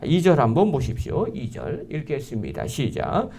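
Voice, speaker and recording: A male pastor preaching a sermon in church, reading scripture aloud and acting out quoted lines, sometimes dropping to a hushed whisper. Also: medium pitch, huge pitch swings, normal speed.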